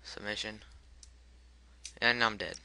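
A man's voice: lowish voice, fairly even intonation, takes it slowly, pushed and bright, a little hiss or hum. A man commentating his own gameplay, frustrated and swearing at the game while muttering the menu choices he picks, his voice cracking. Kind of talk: let's play commentary.

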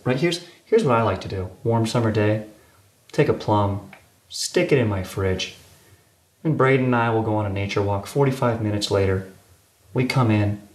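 A man playing a calm, rambling dad filling in as a youth coach and musing about life. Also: fairly low pitch, pitched below the performer's own voice, close to an everyday voice. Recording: roomy echo.

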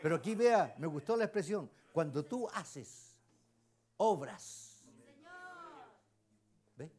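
Man, Chilean accent, lay preacher, high voice, emphatic sermon, rhetorical questions to the congregation. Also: sing-song, takes it slowly. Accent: Chilean Spanish. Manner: swings between loud exclamations and hushed asides.

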